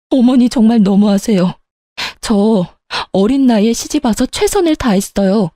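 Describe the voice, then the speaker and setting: Female storyteller, scripted first-person read; mellow, dry, aggrieved tone. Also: a little high, lively intonation, moderate pace, no echo. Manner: plaintive, aggrieved.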